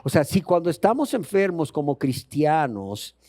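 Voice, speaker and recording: A man's voice: fairly high pitch, sing-song, moderate pace, dark tone, no echo, clean studio sound. A man preaching a sermon as pastor, emphatic and full of rhetorical questions, acting out scripture dialogue in his own voice.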